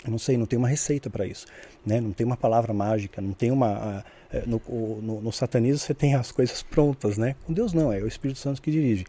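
A man from São telling a story in casual conversation, animated, often acting out the voices he quotes. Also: medium pitch, fast talker, slightly rough. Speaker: guest storyteller.

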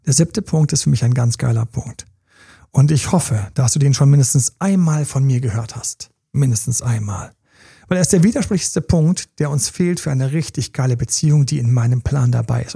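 A man's voice: fairly high pitch, gravelly, warm tone, husky, no echo, studio quality. A man giving relationship coaching in a podcast monologue, talking straight to his listeners in a direct, informal way.

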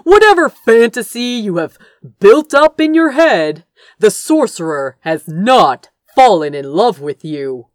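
A woman's voice: medium pitch, big pitch swings, takes it slowly, no room sound, studio quality. A woman voicing a smug, impatient royal brother in an audiobook, curt, scoffing and patronizing. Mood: condescending. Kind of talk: dramatic audiobook character dialogue.

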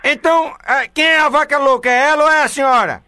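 A man's voice: extremely high pitch, fairly quick, sharp tone, no room sound, clean studio sound. A man hosting a radio prank call, teasing and mock-polite as he repeats his catchphrases. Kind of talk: prank phone call banter.

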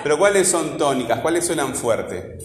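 Teacher in an echoey classroom. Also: male voice, fairly high pitch, sing-song, slight background noise. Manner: patient, drills aloud, repeats phrases slowly. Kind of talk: classroom lesson. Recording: echoey classroom with long reverb.

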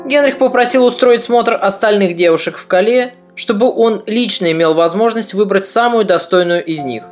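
A man narrating a history podcast in a measured, slightly ironic, scripted storytelling way. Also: high-pitched, faint music behind.

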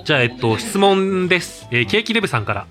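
A man hosting a podcast, chatting casually in a relaxed, teasing way with frequent chuckles. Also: sits high, quick pace. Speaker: podcast host. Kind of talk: casual chat. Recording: music clearly audible behind voice.

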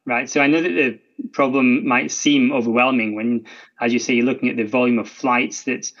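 A man's voice: mid-range voice, fairly even intonation, moderate pace, a bit bright, dull audio. A Scottish man speaking as a guest expert in a podcast interview, chatty, often tagging sentences with "right?". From Scotland. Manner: chatty, frequent "right?" tags and restarts.

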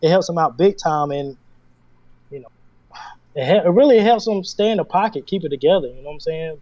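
A man's voice: on the high side, animated, brisk, mellow, muffled recording. A male singer talking casually as a guest, laid-back and chatty, often laughing. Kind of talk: casual conversation.

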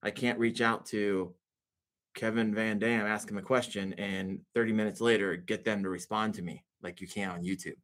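A man's voice: fairly low pitch, steady tone, moderate pace, a bit bright. A man who is a guest on a casual podcast, talking with confident, emphatic opinions.

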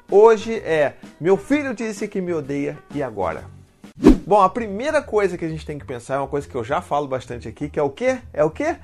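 Brazilian man, parenting vlogger, gravelly mid-pitched voice, animated chatty delivery, faint music underneath. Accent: Brazilian Portuguese. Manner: animated, chatty, keeps checking in with the viewer. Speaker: parenting content creator and father. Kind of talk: casual advice talk to camera.

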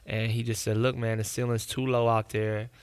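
Young male comic guest, smooth clear voice, dry close sound, slangy and easygoing. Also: on the low side, normal speed, dry recording. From Miami, Florida. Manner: slangy, agreeable, animated interjections. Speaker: comedian guest. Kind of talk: casual chat.

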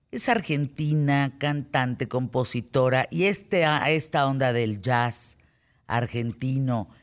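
A man hosting a radio show, opening it in an upbeat, chatty and playful way. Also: on the high side.

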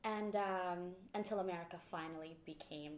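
A woman from Sweden, a podcast guest, telling her story in a lively, candid way. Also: fairly low pitch, moderate pace, roomy sound. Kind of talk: casual interview talk.

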